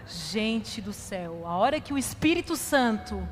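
A woman pastor with a medium-pitched, expressive voice speaks unhurriedly from a stage in a church hall, sharing a self-deprecating personal story in her sermon and addressing the congregation directly. Faint music and long hall reverb can be heard.

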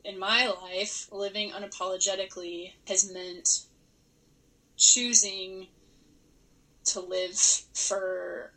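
A young adult woman with a bright, lively tone talks through her thoughts as a podcast guest. She processes verbally, circles back, restarts phrases and laughs lightly as she reflects. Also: mid-range voice, slow pace, long pauses, poor audio. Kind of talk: reflective conversational interview.

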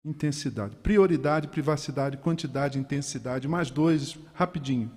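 A man preaching a sermon to a congregation, animated and firing rhetorical questions. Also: a little high, normal speed, big-room sound.

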